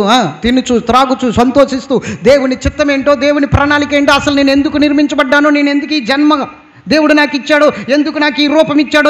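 A man's voice: very high voice, fairly bright tone. A male pastor preaching a sermon, with repeated emphatic refrains and a rising cadence.

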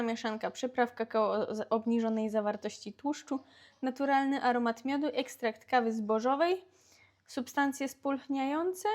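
Young woman from Poland, family vlogger, slightly high voice, chatty running commentary at home. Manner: chatty, talks through what she is doing. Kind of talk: casual vlog chat to camera.

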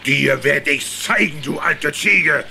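Gravelly, bossy elephant. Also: male voice, a little high, takes it slowly, very noisy, heavily acted. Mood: commanding. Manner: gruff, commanding. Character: blustering, bossy, hot-tempered elephant. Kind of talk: animated film radio play dialogue.

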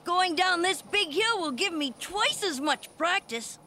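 A man's voice: extremely high pitch, lively intonation, a little slow. An actor voicing an earnest, nervous young male raccoon who talks eagerly to himself. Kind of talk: 1980s cartoon voice acting. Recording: cartoon soundtrack with loud music.

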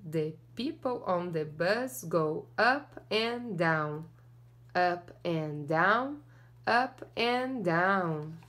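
A woman's voice: lowish voice, expressive, extremely slow, a bit bright. A young woman teacher reading a picture book aloud to children and singing along, cheerful and sing-song, recorded in front of a camera in a small classroom corner.

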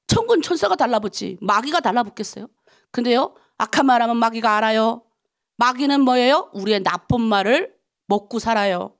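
A middle-aged woman pastor from North Korea delivers a dawn prayer sermon. Her voice sits high and has a gravelly, creaky texture. She exhorts the congregation in an animated way, full of rhetorical questions.

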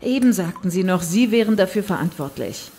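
A woman's voice: on the low side, lively intonation, brisk, dark tone, slight background noise. An actress playing a determined female police inspector in an audio drama, curt, demanding and no-nonsense. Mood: stern, impatient.

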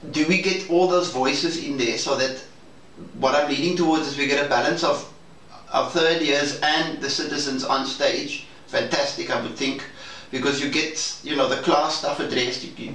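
A man's voice: medium pitch, fairly bright tone. A man discussing plans in a casual meeting, choosing his words carefully and hesitantly. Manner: deliberate, hesitant, careful phrasing. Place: indoor room, off camera. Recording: very echoey, distant mic, faint noise.

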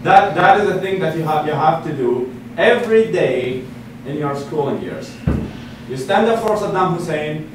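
A man's voice: a little high, expressive, normal speed. Young man lecturing in an echoey room. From Iraq. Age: 20s. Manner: earnest, with frequent restarts and fillers. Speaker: guest speaker. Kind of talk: public lecture. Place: meeting room with a seated audience. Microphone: podium mic from far camera. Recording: echoey room, distant mic, audible noise.

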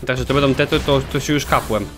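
A man's voice: medium pitch, a little fast, music in the background. A young man commenting casually on his own gameplay, joking and swearing at himself. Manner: animated, swears a lot, jokey self-talk. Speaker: gaming channel host. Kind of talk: let's play commentary.

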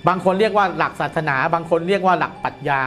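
A man's voice: high-pitched, fast, a bit bright. A middle-aged man explaining things in a casual, colloquial studio chat, repeating phrases for emphasis. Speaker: guest commentator on a horror show. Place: indoor studio, seated at a desk.

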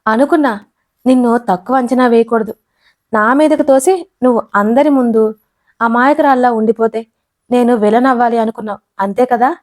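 A woman voicing a stubborn young husband who answers in a low, flat, dismissive tone in a storybook audio tale. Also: a little fast, lightly acted. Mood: serious.

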